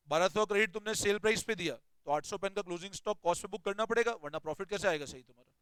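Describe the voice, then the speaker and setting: Bright, clear-voiced male accounting teacher. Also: high voice, dry recording, poor audio. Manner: questioning the class, explains step by step. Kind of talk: classroom lecture.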